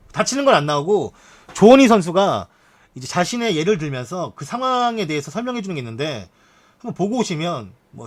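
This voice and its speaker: A man streamer reads news articles aloud on a live stream, breaking off to talk frankly with his chat. His voice sits a little high and swings widely in pitch. He speaks into a desk streaming mic.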